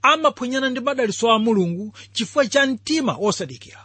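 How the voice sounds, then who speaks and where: Male radio preacher, high-pitched, raspy, didactic Bible teaching, dry close sound. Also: animated, fast, sharp tone, no echo. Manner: didactic, addresses listeners with questions. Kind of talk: radio sermon, Bible exposition.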